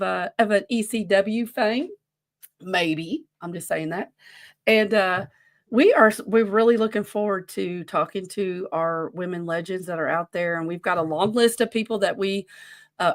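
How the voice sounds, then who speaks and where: Rambling woman in her forties chatting casually. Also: mid-range voice. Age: 40s. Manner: rambling, easily sidetracked. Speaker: podcast co-host running a wrestling quiz. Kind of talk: casual chat.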